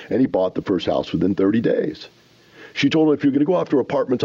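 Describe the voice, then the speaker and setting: A man's voice: fairly low pitch, slightly rough, highs cut off. A man hosting a talk show, lecturing emphatically with rhetorical questions. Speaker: radio show host. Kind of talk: animated commentary.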